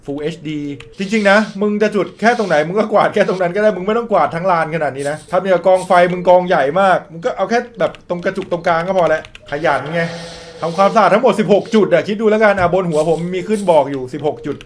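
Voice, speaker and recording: High voiced guy playing a horror game, cracking crude jokes, little hiss on the mic. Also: fast talker. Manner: jokey, crude, reads out in-game dialogue, yelps when startled. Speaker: gaming YouTuber.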